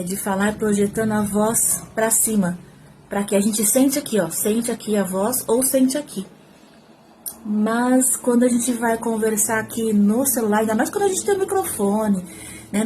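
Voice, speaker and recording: A talkative woman with a Brazilian Portuguese accent gives a relaxed on-camera lesson from her home, speaking into her phone. Her voice sits at an ordinary middle pitch, with a faint hum of noise underneath. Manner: talkative, animated, gestures while speaking. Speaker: former TV reporter teaching on-camera skills. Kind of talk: casual tutorial to camera. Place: at home, indoors. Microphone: phone, front camera.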